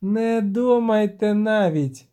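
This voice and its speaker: Brief: shrill moody siren woman from a storybook, read by a man, high and lilting. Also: expressive, mellow. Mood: shrill alarm. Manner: shrill trilling, drawn-out scolding. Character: female sea siren, shrill, mocking and moody.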